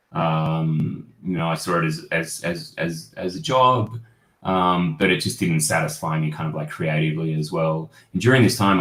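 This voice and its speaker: Deep-voiced man, roomy sound. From Australia. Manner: rambling, reflective, many fillers and restarts. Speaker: guest photojournalist. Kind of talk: casual interview storytelling. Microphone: video call. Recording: roomy home-office echo.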